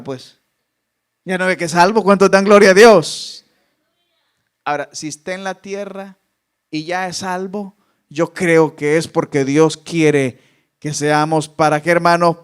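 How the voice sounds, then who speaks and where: A man's voice: high voice, clean tone. A male pastor preaching a fervent sermon, exhorting the congregation with repeated questions.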